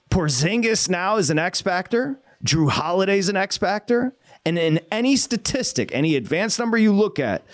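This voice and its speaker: A man hosting a sports betting show, talking casually in an animated, ranting way with quick asides. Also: sits high. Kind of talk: casual sports radio talk.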